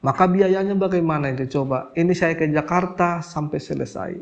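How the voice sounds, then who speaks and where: Middle-aged male healer, interview storytelling; lively quoted voices, sinks low and soft when recalling hardship. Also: brisk, dull audio. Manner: animated, acts out quoted voices, voice drops when recalling crying. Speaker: alternative healer. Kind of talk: emotional personal storytelling.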